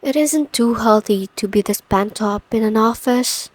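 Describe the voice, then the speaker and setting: A woman playing a stern, overworked chief executive in an ASMR roleplay, measured and commanding with dry sarcasm. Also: on the high side, no echo, lightly acted. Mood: weary, businesslike. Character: stern, overworked female CEO, pent-up and dryly menacing. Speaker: audio roleplay voice performer.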